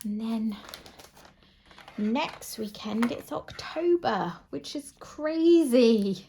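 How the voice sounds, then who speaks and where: A woman's voice: on the high side, lively intonation, extremely slow, dark tone, a little hiss or hum. A middle-aged British woman chatting casually and in a rambling way as she hosts a craft video at home. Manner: chatty, rambling, often chuckling. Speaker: craft channel host. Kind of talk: casual chat while doing a craft. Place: indoors at home.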